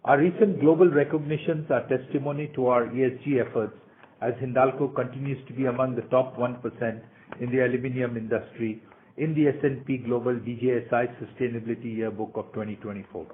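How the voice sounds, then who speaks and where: A man's voice: mid-range voice, steady tone, a little fast, a little hiss or hum. A man in the role of a company executive, formally reading prepared remarks for an earnings call presentation. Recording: tinny, narrow phone conference line.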